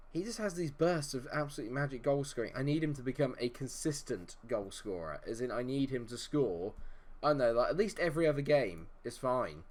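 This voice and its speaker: A mid-pitched man, a touch nasal from a cold, chatting through his football management game. He swings between hopeful urging and fed-up grumbling at his players and the game itself. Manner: exasperated, talks to the game and players. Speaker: gaming video host. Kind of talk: casual gameplay commentary.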